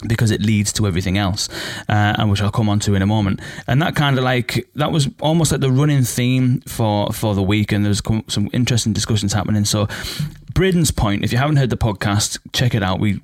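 A man hosts his podcast alone, his voice croaky and rough from a cold, sitting a little low in pitch. He talks loosely and conversationally, with fillers and restarts as he thinks aloud. The sound is dry and close, with no room echo. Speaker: podcast host. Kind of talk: solo podcast monologue.

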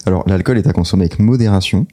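Low, fast, husky-voiced man. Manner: teasing, deadpan self-mockery. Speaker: podcast co-host. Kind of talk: casual chat, reading out notes.

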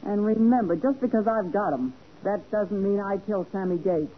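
A woman's voice: mid-range voice, normal speed, close to an everyday voice. Woman playing brassy American crook dame. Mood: brazen. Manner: defiant, sneering, slangy. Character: tough, brassy female crook, defiant and slangy. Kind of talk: 1940s radio crime drama acting. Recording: muffled noisy 1940s radio recording.

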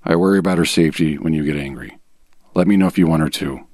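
A man's voice: rumbling low, fast, a little mellow, no room sound, clean studio sound. A man, a podcast guest, giving a dramatic reading of text messages in short, terse phrases.

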